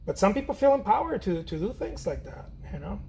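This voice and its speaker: A man's voice: sits high, very animated, a little fast, vocal fry, a little mellow, a little hiss or hum. A man chatting casually while he paints on a livestream, rambling, repeating his phrases and swearing now and then. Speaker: painter streaming a demo.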